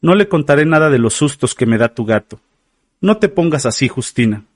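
Guy reading as a scared fretful young woman, raised a bit high, dry close sound. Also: expressive, brisk, no room sound, close to an everyday voice. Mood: anxious.

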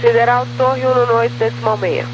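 A woman's voice: a little high, fairly even intonation, brisk. A Brazilian woman working as an air traffic controller, giving clipped instructions over a radio transmission. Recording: muffled, noisy aviation radio with hum.

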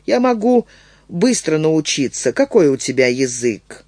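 A man voicing an ancient giant male djinn in an audiobook, calm and courteous, speaking slowly and in a measured way. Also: a little high, no room sound, full character voice.

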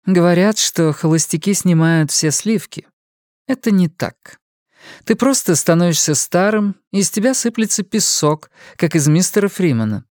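A stern older mother with a prim, scolding voice, pitched up high, put on by a male narrator. She speaks crisply and sharply in an audiobook reading. The recording is close and dry. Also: animated, moderate pace, a little mellow, no echo. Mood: disapproving. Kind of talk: audiobook character voice.

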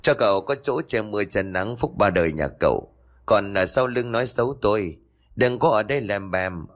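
Sly, bullying old man, read by a male narrator in a storybook tale; low, animated scolding. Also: moderate pace, lightly acted. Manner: scolding, blunt. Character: gruff cunning old man, sharp-tongued and bullying.

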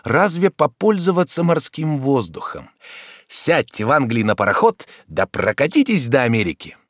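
A man reading an audiobook voices a confident fashionable doctor giving brisk advice. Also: medium pitch, sing-song, no room sound, clean studio sound, pitched above the performer's own voice. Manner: brisk, prescriptive, upbeat.

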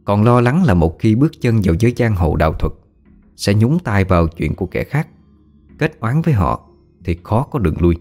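Deep-voiced male story narrator. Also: big pitch swings, normal speed, a little mellow, soft background music.

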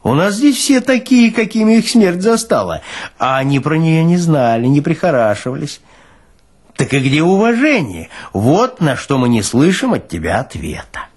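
Man voicing a burly, needling morgue orderly, animated. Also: a little high, moderate pace. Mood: needling, indignant. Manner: colloquial, mocking, folksy philosophizing. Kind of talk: dramatized audiobook character reading.

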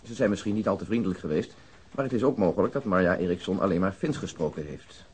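Brisk male detective recounting a case. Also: sits low, expressive. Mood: matter-of-fact, grave. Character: male police detective briefing colleagues on an old case. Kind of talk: Dutch radio crime drama dialogue.

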